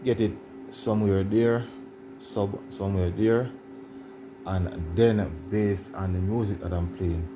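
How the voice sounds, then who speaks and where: A man presenting an informal how-to demonstration, explaining in a halting, repetitive way and addressing viewers directly. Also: fairly low pitch, steady tone, noisy background. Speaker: tutorial presenter.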